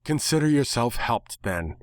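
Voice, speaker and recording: A man's voice: mid-range voice, lively intonation, measured pace, no room sound, studio quality, lightly acted. A man voicing a haughty, impatient female talking bird with formal, sarcastic, contemptuous delivery in a story reading. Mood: resigned.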